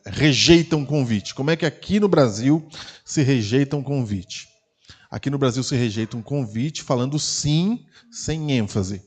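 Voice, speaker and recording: A man's voice: medium pitch, expressive, moderate pace, slightly rough. Man, Brazilian Portuguese accent, pastor, conversational sermon, rhetorical questions, volume rising and dropping, church. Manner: loudness rises and falls sharply.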